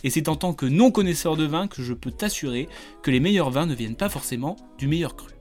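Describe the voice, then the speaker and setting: A man's voice: a little high, animated, brisk, a little mellow, soft background music. A man hosting a podcast, joking through a scripted intro and then chatting casually in a wry manner. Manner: wry, joking, full of wordplay. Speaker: podcast host.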